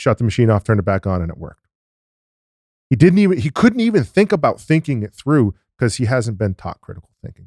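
In a very clean recording with a silent background and a dry, close sound with no echo, a dark, mellow voice moves at a fairly quick pace with very wide pitch swings, big swings in loudness, and long, frequent pauses. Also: man. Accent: American. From New England, US. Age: 40s. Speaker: business founder. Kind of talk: casual chat. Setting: studio.

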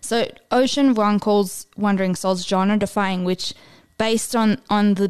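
With fairly even intonation and a medium pitch, a woman talks in an ordinary speaking voice. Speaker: podcast host, book interviewer. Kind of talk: interview.

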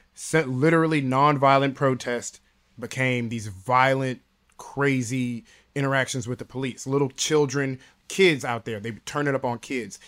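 A man's unremarkable speaking voice with an American accent, medium-pitched, moderate in pace, with fairly even intonation, on a very clean recording against a silent background. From Houston, Texas. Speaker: comedy writer and researcher. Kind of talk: casual chat.

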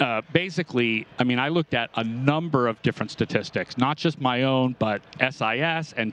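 Recorded with a dry, close sound and no echo, a man of medium pitch uses an ordinary speaking voice with ordinary pitch variation. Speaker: football analyst. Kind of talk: interview. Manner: articulate and analytical.

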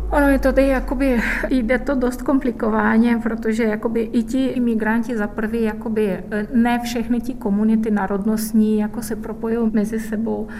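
Monotone, flat intonation amid noticeable background noise and audible room echo. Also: woman, fairly high pitch for a woman, moderate pace. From Moldova. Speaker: community worker. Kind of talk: interview. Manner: hesitant.

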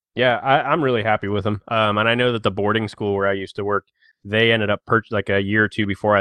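Fairly even intonation marks this man's fairly low voice. He talks at a very fast pace with an American accent. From Tampa, Florida. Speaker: podcast host. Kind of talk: casual chat.

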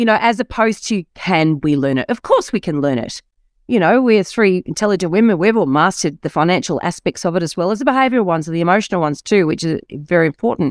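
In an Australian accent, a woman at medium pitch talks at a very fast pace with lively intonation and hardly any pauses, in a dry, close sound with no echo against a quiet background. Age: middle-aged. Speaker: podcast host, buyer's agent. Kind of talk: casual interview.

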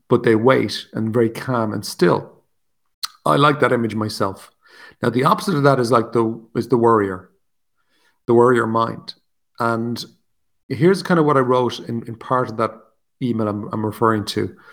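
A man speaks with an Irish accent. His speech has long, frequent pauses. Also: medium pitch for a man, ordinary pitch variation, moderate pace. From Ireland. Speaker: podcast host. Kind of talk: solo podcast monologue.

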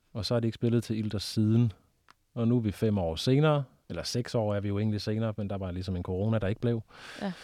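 Against a quiet background, a man talks at a very fast pace in a dark, mellow tone, his fairly low pitch showing ordinary variation. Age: 40s. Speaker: festival organizer and music programmer. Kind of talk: casual interview. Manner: halting.

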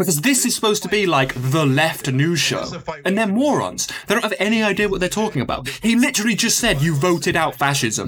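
A man talks at a fairly quick pace with hardly any pauses, in a high pitch with very wide swings and very even loudness. Noticeable background noise is present. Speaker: podcast co-host. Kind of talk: casual political commentary on a live stream. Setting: live stream recorded, reacting to TV broadcast. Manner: animated, irritated, rant-like.

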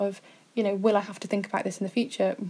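A somewhat breathy woman's voice. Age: 20s. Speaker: history graduate and trainee teacher. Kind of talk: recorded reflection.

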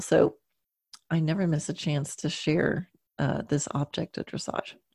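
Somewhat breathy, a woman's voice carries a dark, mellow tone. The recording is very clean, the background silent. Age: 50s. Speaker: horse riding instructor and podcast host. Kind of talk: solo podcast talk. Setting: studio. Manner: casual, frequent laughter.

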